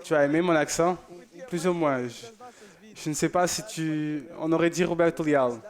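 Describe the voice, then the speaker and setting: A man's voice: a little high, moderate pace. A man presenting a church show, chatting casually and joking as he reads out viewer messages.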